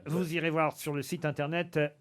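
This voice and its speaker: A man's voice: fairly high pitch, little pitch movement, a little fast. A man hosting a radio quiz show, teasing his panel with playful banter.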